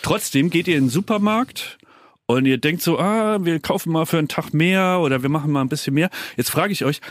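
A man's voice: fairly high pitch, a little fast, dry recording, clean studio sound. A man co-hosting a casual talk, playfully teasing the others with his questions. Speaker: podcast co-host. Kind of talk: casual chat, asking questions.

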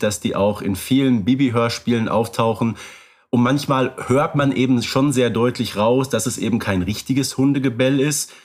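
A man co-hosting a podcast, talking in a relaxed way and thinking aloud with fillers. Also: mid-range voice. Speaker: podcast co-host. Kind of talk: casual podcast discussion.

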